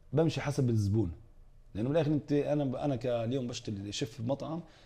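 We hear a male voice. It carries a dark, mellow tone. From Israel. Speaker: chef; talk show guest. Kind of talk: TV interview. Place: studio. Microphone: lapel.

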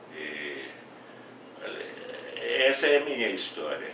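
A man with a Romanian accent, over noticeable background noise. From Romania (Bessarabia). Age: 80s. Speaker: visual artist. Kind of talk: interview. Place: studio.

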